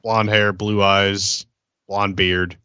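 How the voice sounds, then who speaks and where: A man's voice: fairly low pitch, flat delivery, takes it slowly, pushed and bright, clear, resonant tone, no echo, muffled recording. A man in his thirties speaking casually and matter-of-factly as a podcast player. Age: 30s. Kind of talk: casual character introduction.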